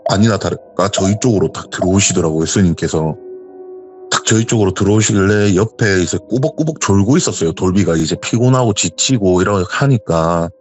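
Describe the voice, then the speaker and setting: A man, casually telling a true ghost story and acting out the voices of the people in it. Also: fairly low pitch. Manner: animated retelling, acts out quoted voices.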